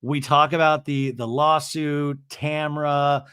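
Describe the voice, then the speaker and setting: An American man speaks in a somewhat high, lightly raspy voice with very little room sound. He hosts a podcast solo, chatting to his listeners in loose, excitable runs full of slang and asides. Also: slow, dry recording, clean studio sound. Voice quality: slightly raspy. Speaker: podcast host.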